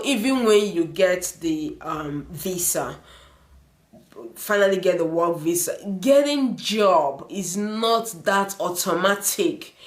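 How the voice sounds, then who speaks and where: A woman's voice: on the low side, reverberant. A woman vlogger giving earnest immigration advice, repeating points, with many fillers and a first language other than English. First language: not English. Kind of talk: advice vlog to the camera.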